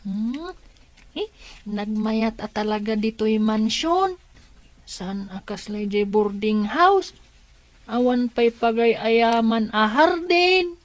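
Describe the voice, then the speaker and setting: Slow-talking, curious child acted by a woman. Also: fairly high pitch, animated. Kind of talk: Ilocano audio drama acting.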